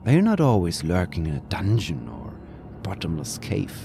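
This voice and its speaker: A man narrating a scripted horror story in a slow, brooding way, sometimes dropping to a whisper. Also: low-pitched, wildly swooping pitch, creaky, dark tone, a little hiss or hum.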